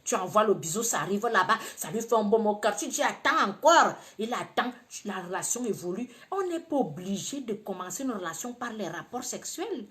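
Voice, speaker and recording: A woman's voice: mid-range voice, a little fast, hardly any pauses. A woman from Cameroon gives casual advice to women, telling stories with teasing asides and acting out the people in them. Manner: animated storytelling, teasing asides, acts out quoted people. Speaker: video blogger giving advice to women.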